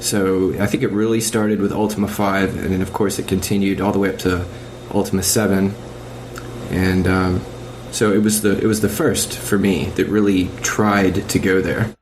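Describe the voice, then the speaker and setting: A man in a casual, analytical podcast discussion, explaining points about games in a measured, thoughtful way on a dated amateur recording. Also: sits low, flat delivery, slight background noise.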